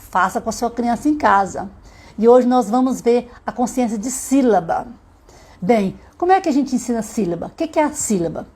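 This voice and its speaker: A woman with a Brazilian Portuguese accent and a rather high voice teaches a live online literacy lesson. She speaks straight to the mothers watching, in a patient, instructive way, and slows right down to stretch words out into their syllables. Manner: didactic, addresses mothers directly, slows to sound out words.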